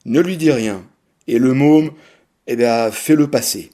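A man's voice: mid-range voice, a little slow, warm tone, lightly acted. A man reading aloud and voicing a young man who speaks dryly and dismissively. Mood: cold. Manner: dry, clipped delivery.

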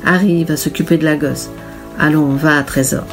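A kindly young housewife calms a neighbor in a gentle, soothing manner, as a woman reads her. The pitch is low for a woman. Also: normal speed, soft background music.

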